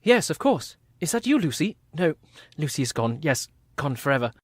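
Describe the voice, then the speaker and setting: A man's voice: on the high side, very animated, moderate pace, breathy edge, no echo. Man voicing a haunted asylum madman, rambling, erratic swings, radio play, dry close sound. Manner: rambling, jittery, swings from mutters to cries. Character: Renfield, a guilt-ridden madman asylum inmate. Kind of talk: community radio play acting.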